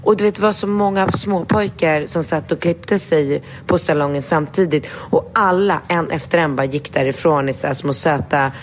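Woman, 30s, low voice, animated storyteller, casual chat, faint background hum. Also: hardly any pauses. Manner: animated storytelling, acts out quotes in a high voice, swears casually. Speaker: podcast co-host.

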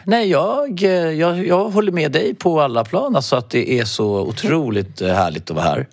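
Joking man with a lively voice. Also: a little high. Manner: joking, argumentative, hesitant fillers. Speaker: podcast co-host. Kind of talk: casual chat.

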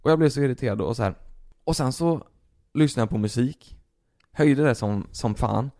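Swedish-speaking guy with a gravelly voice, cursing away, venting in a loose podcast chat. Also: medium pitch. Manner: profane, venting, animated storytelling. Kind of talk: casual chat.

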